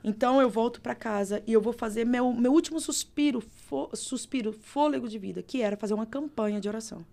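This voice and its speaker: Brazilian woman pastor, gravelly voice. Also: on the high side, fairly quick, few pauses. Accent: Brazilian Portuguese. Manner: expressive, dramatic storytelling with vivid reenacted dialogue. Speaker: pastor, guest. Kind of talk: personal testimony in a podcast interview.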